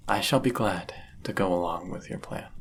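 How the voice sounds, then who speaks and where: A man playing a powerful, devoted demon bound to a sorcerer in an intimate audio roleplay, speaking formally and deliberately with a gravelly voice. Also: low-pitched, a little hiss or hum, lightly acted. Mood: tender, curious. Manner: formal, old-fashioned wording, deliberate.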